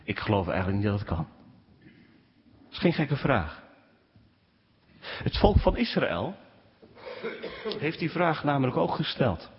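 A man's voice: measured pace, long pauses, crowd noise. Dutch-speaking pastor guy preaching, big church reverb, kinda muffled sound. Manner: animated preaching, rising pitch when quoting complaints. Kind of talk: sermon.

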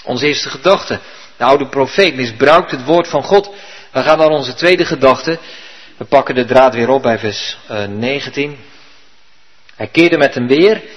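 A man's voice: mid-range voice, a little slow. A male pastor preaching a sermon in church, telling the story vividly and earnestly. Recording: dull recording with long hall reverb.

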